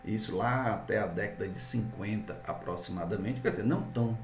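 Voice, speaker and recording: A man's voice: fairly low pitch, fairly quick, echoey room, far from the mic, a little hiss or hum. A man with a Brazilian Portuguese accent, an English teacher explaining grammar step by step and often checking in with his students. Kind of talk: grammar lesson.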